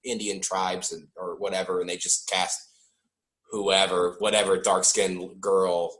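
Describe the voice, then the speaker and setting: A man hosting a podcast, chatting casually about a film, animated and joking, swearing now and then. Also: deep voice, roomy sound. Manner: animated, swearing, quick jokey impressions. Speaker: podcast host. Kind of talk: casual film-review chat.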